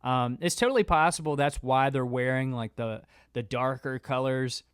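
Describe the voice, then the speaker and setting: A man co-hosts a podcast, chatting casually at a moderate pace in a smooth, medium-pitched voice. The recording is dry with clean studio sound, and he keeps dropping "like" into his sentences.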